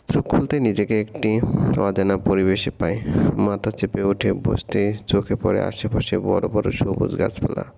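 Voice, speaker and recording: A man's voice: lowish voice, vocal fry, mellow, low-quality recording. A man reading a romantic story aloud, voicing every part himself. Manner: reads all parts himself. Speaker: narrator.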